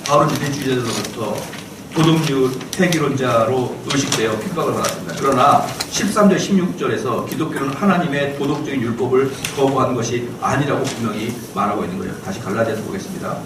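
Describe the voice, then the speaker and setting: A man's voice: medium pitch, quick pace, recorded from a distance. A middle-aged male pastor giving a Bible class lecture, firing rhetorical questions at his listeners and acting out the people he describes. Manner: fires rhetorical questions at the audience; animated, acts out quoted people. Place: church lecture hall. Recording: echoey hall, voice from off-mic, faint hiss.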